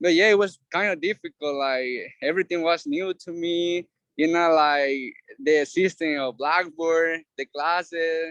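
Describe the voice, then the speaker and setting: In a Spanish accent, a man talks at a fairly slow pace and a high pitch. His pitch variation is ordinary, and the sound is dry and close with no echo. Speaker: college student. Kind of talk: casual chat. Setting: video call. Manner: halting.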